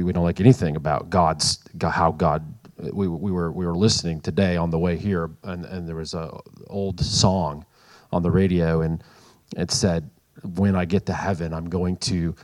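A middle-aged man sharing a comment in a group discussion, halting and repeating words as he thinks. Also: low voice, steady tone. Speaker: participant in the group.

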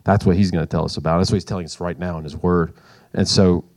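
Give me a very deep-voiced middle-aged man who pauses and restarts while commenting in a discussion. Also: steady tone, a little mellow. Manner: halting, repeats words as he thinks. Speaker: participant in the group.

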